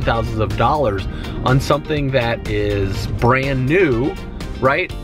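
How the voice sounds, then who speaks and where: Clear music plays behind a man speaking at a fairly slow pace, the sound dry with no echo. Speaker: business vlogger. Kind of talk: casual vlog chat. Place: car. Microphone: phone near.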